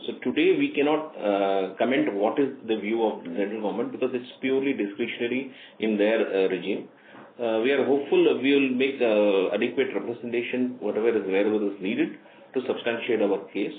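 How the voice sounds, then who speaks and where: A man's voice: lowish voice, fairly quick. A man answering as a company executive on an earnings call in formal, legalistic wording. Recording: echoey, noisy narrowband phone line.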